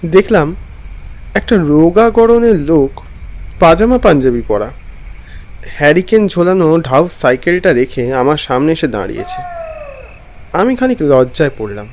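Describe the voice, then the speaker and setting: A man playing a weary traveller who narrates his own animated ghost story expressively. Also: a little high, normal speed, pauses often. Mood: uneasy. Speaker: narrator and main character. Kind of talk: dramatized first-person horror narration.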